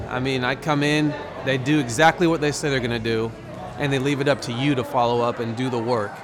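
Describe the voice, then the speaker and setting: A man with an American accent, fairly high in pitch, over noticeable background noise. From Oklahoma. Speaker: workshop attendee, business owner. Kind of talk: testimonial.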